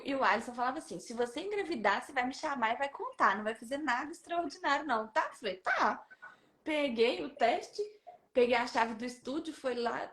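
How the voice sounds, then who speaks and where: A woman shares a personal testimony in a high voice. She tells it in a lively way, acting out the people in the story and laughing often. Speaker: guest sharing a testimony. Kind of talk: animated storytelling.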